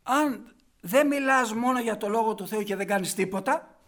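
A man delivers a sermon in a very high voice. He preaches emphatically and keeps putting rhetorical questions to his listeners. He drops into hushed asides and then comes back loud on the points he stresses.

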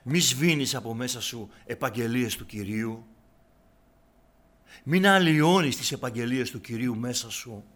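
Man, sermon, hushed prayer to loud preaching, bright tense tone. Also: medium pitch. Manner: swings from soft, almost whispered prayer to loud impassioned preaching.

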